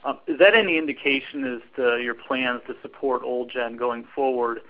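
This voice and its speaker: A man's voice: mid-range voice, moderate pace. A man speaking as a financial analyst, asking questions on an earnings call. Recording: narrow phone line.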